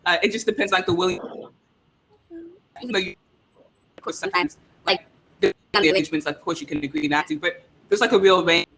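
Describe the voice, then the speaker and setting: A young woman on a casual panel, talking in a scattered, halting way and often breaking off mid-phrase. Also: on the low side, a bit bright, rough recording. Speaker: audio drama creator and panelist. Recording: faint background noise and room ambience.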